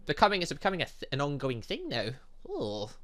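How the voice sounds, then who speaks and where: Gaming streamer, medium pitch, very animated: casual, excitable commentary that rambles into exasperated asides while reading game text. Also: a little fast. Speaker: gaming video host. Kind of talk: casual let's play commentary, reading game dialogue aloud.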